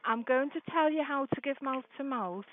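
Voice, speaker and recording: A woman working as an emergency dispatcher, calmly and methodically giving step-by-step first aid instructions over the phone with an encouraging manner. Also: high-pitched, moderate pace, slight background noise. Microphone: telephone call. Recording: narrow, muffled emergency phone line.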